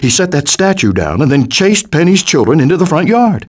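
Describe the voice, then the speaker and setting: A man voicing a theatrical, wry animal character in an animated video game. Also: a little high, brisk. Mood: wry, dramatic.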